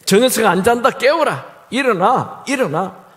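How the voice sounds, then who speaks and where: A gruff, strict farmer father , as a preacher puts him on, barks orders, loud, slow and high-pitched, and his pitch leaps around. The calls ring through a reverberant church hall. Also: big pitch swings, heavily acted. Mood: stern.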